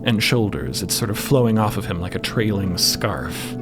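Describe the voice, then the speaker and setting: A man's voice: lowish voice, expressive, moderate pace. A man narrating a story podcast in a dramatic, playful, theatrical way with casual asides. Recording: loud music bed under voice. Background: loud music.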